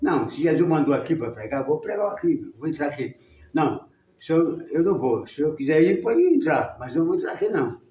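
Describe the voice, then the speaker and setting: A man's voice: fairly high pitch, big pitch swings, brisk, dark tone. A man voicing a humble preacher who insists on entering a farm to pray, recorded in a roomy space from a distant mic. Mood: insistent. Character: humble, stubborn male preacher.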